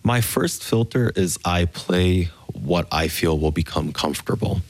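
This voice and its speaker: A young man from Memphis, a concert pianist, giving measured, thoughtful answers in a radio studio interview. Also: low voice, expressive. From Memphis, Tennessee, USA. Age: young adult.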